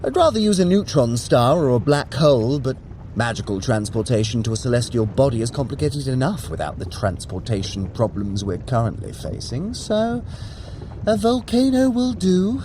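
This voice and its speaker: An actor playing a cunning, sardonic trickster god in an audio adventure, with a wry, condescending, theatrical manner. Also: male voice, medium pitch, sing-song, moderate pace, a little mellow, slight background noise, natural voice. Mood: scheming, wry. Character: Loki, cunning, sardonic male trickster god, brother of Thor. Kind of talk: scripted audio adventure acting.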